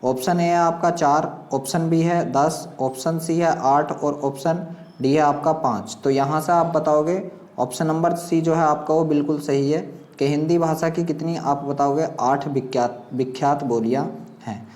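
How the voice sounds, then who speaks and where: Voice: mid-range voice, fairly even intonation, measured pace, darkish tone. Echoey exam tutor. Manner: repetitive instructional phrasing, addressing learners directly. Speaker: exam coaching teacher. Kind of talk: explanatory quiz lesson, reading questions and options aloud. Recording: echoey room sound.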